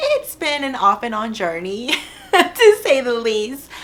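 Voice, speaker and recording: With a Southeast Asian accent, a woman speaks fairly slowly over noticeable background noise. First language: Hmong. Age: 30s. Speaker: YouTuber and actress. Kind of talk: casual vlog talk to camera.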